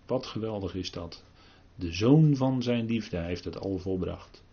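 An older man giving a halting Bible talk, full of pauses and restarts. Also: low voice, dark tone, husky, dull audio. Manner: halting, many fillers and restarts. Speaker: preacher.

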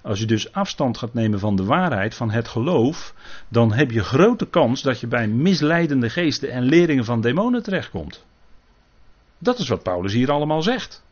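Very animated and mid-range in pitch, a man teaches a Bible sermon at a moderate pace. He is earnest and careful, often asking tag questions to check on his listeners, in a dull lo-fi recording.

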